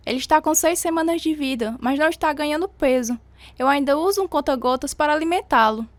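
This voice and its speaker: High-voiced worried mother played by an actress, Brazilian accent. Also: fast, dry recording, lightly acted. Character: worried, faithful mother of a frail newborn. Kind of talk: dramatized radio story acting.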